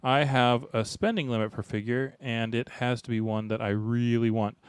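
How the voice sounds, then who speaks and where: Host type: man in his forties, wisecracking, crisp and dry close-mic sound. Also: medium pitch, fairly even intonation, normal speed, no echo. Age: 40s. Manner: joking, reads listener comments aloud with asides. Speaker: podcast co-host. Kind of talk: casual podcast chat.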